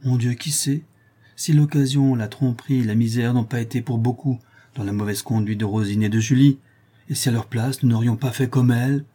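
A man's voice: medium pitch, normal speed, slightly rough, lightly acted. A man reading an audiobook aloud, voicing a cheerful, talkative young Parisian seamstress. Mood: earnest. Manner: lively, affectionate, talkative.

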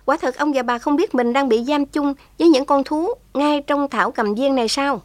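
Woman doing polite probing journalist lady, formal, brisk, raised voice, dry sound. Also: sits high, no room sound, pitched above the performer's own voice, natural voice.

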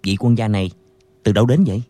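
A man's voice: fairly low pitch, quick pace, mellow, lightly acted. A man voicing a scheming young male swordsman hero, speaking his sly, amused thoughts in an audiobook. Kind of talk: audiobook character reading.

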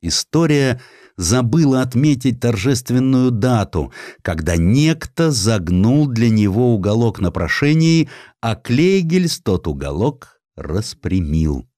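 A man narrating a satirical historical audiobook in a theatrical, ironic and expressive manner. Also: medium pitch, slow pace, no echo, studio quality.

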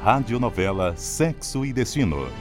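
A man's voice: medium pitch, very animated, moderate pace. A man with a Brazilian accent announcing scripted radio drama credits in a formal, declamatory way. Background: loud music.

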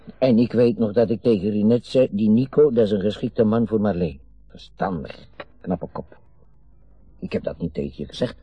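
An actor in his sixties playing a garrulous, meddling, wistful retired father in a radio play, rambling and halting, with sudden emphasis. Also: fairly low pitch, expressive, creaky, breathy edge, no room sound, lo-fi sound, heavily acted. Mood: prying, defensive. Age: 60s. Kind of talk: naturalistic radio drama acting.

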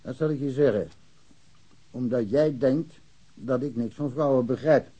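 Male for a frank small-town police chief: middle-aged, soft-edged husky voice, musing radio-play delivery. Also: medium pitch, measured pace, highs cut off. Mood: earnest. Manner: candid, musing, wry. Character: frank provincial police chief, chatty lifelong bachelor. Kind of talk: naturalistic radio drama dialogue.

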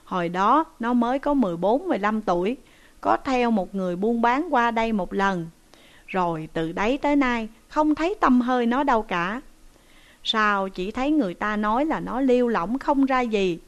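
A woman's voice: fairly high pitch, expressive, moderate pace, highs cut off, natural voice. A woman voicing a shrewd, stern male village headman who speaks in a commanding, scolding way. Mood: explaining.

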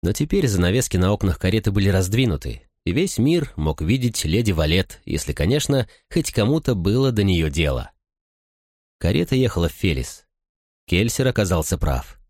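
Deep-voiced male audiobook narrator. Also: sing-song, normal speed, darkish tone, dry recording, clean studio sound. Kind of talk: scripted narration.

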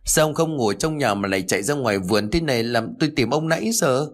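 A man's voice: mid-range voice, animated, pitched above the performer's own voice, lightly acted. A man voicing a nagging old village wife. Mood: angry scolding. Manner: nagging, rapid-fire complaining. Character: scolding elderly village wife, exasperated and sharp-tongued.

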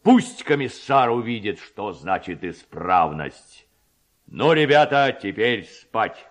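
Man playing a pompous village headman, slow and emphatic. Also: fairly low pitch, big pitch swings, voice pushed up. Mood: gruff, indulgent. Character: self-important, boastful village headman, gruff and commanding.

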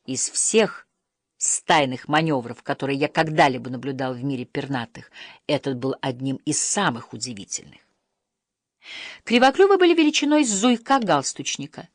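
A woman reading an audiobook aloud, telling a first-person travel story in an expressive storytelling manner. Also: a bass voice, normal speed, no room sound, studio quality. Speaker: audiobook narrator. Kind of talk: scripted audiobook narration.

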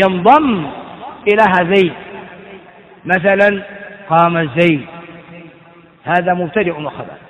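A man with a rather high voice teaches grammar in a classroom lecture, explaining step by step and firing short questions at his students. His voice rings with a long reverb, as if recorded in a large hall. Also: fairly bright tone.

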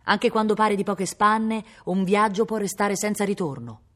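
A woman's voice: on the low side, a little fast, a little mellow, natural voice. A woman reading aloud, voicing a stern aristocratic father scolding his son with grave, bitter reproach.

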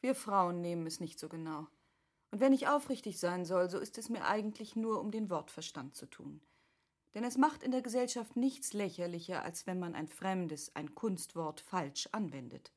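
Gracious period lady, husky voice. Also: fairly low pitch, animated, normal speed. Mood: curious, candid. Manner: polite, formal, thoughtful. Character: gracious, articulate, curious lady of Goethe's era. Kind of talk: classic German radio play acting.

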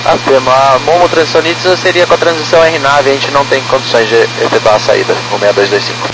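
A man's voice: mid-range voice, fast talker, over music. A male airline pilot making terse procedural calls in clipped aviation phraseology, over a walkie-talkie style radio. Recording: noisy aviation radio transmission with hum.

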